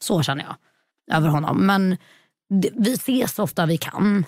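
A woman's fairly low voice with lively intonation, an unremarkable speaking voice. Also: very clean recording, silent background. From Stockholm, Sweden. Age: 20s. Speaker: reality TV personality and influencer. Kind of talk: casual chat. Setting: studio.

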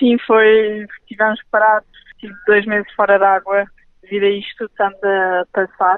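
In a monotone, flat delivery, a woman of medium pitch speaks at a fairly slow pace. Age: 20s. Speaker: professional surfer. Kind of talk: interview.

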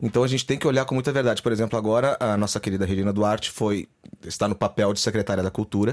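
Very fast speech from a man with a fairly low pitch, fairly even intonation and very even loudness, in a dry, close sound with no echo. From Brazil. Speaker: musical theatre actor. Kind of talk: radio interview.

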